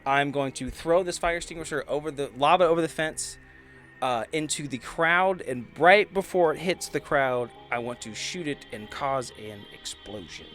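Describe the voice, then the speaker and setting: A man's voice: on the high side, moderate pace, fairly bright tone. A man casually describing his moves as a player in a tabletop roleplaying game, music behind him. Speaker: player on an actual-play podcast. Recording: background music under the voice.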